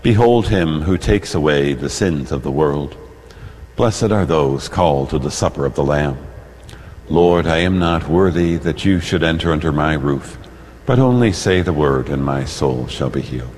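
A man, a priest, solemnly chanting and praying the Mass in measured phrases, his voice echoing as in a cathedral. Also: a bass voice, expressive, a little mellow. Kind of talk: liturgical chanting and spoken prayer. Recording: echoing cathedral-like hall, long reverb.

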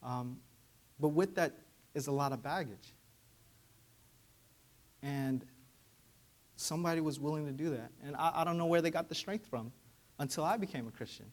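A man's voice: on the high side, moderate pace, pauses often. A young man with Vietnamese as his first language, preaching a sermon in a conversational way and often asking "right?". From Vietnamese American, raised in Georgia. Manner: conversational, frequent "right?" tag questions.

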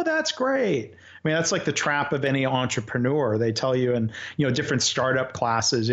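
A man talks through his process in a conversational interview, pausing and restarting as he thinks. His voice sits in a middle register. The audio is a little dull and lo-fi. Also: mid-range voice. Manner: thoughtful, halting, with frequent fillers and restarts. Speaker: author guest.

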